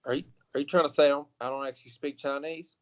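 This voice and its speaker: A man playing a clueless, easily thrilled tourist in an improv comedy scene, talking excitably and swinging between awe and letdown. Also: fairly high pitch, fast, highs cut off, lightly acted. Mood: puzzled.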